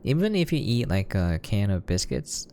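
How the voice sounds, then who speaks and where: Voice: low-pitched, very animated, moderate pace, mellow, slight background noise. A person giving casual gameplay commentary, explaining and musing aloud in an informal way. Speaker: game commentator. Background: game music.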